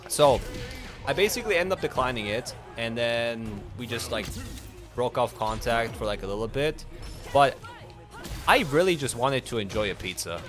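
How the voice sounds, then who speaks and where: Over music, a young man with a medium-pitched, animated voice streams a game at a moderate pace. He tells a story while playing, rambling casually, swearing a lot and filling his speech with "like."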